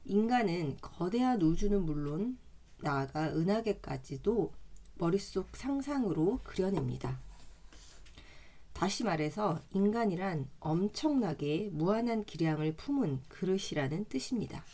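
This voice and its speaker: Woman, gravelly, slightly hoarse, mellow dark tone, calm measured book reading, chatty asides. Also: lowish voice. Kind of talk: reading a self-help book aloud with asides.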